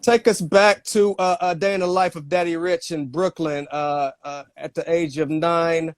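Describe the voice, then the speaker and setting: A man hosting an interview podcast, earnest and halting, with many fillers as he sets up questions. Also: a little high, fairly even intonation, no echo, clean studio sound. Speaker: podcast host.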